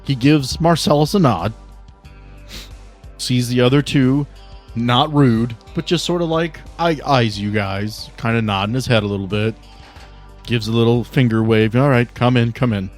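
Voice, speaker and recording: A man's voice: medium pitch, unhurried. Casting: male game master, improvised narration, casual conversational tone, music bed. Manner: conversational, informal.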